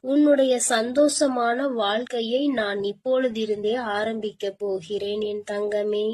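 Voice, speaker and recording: A woman giving voice to a mother goddess who is protective but stern, speaking a devotional divine message in a somewhat high voice. She talks to the listener as her own child and gives firm, step-by-step instructions. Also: a little mellow.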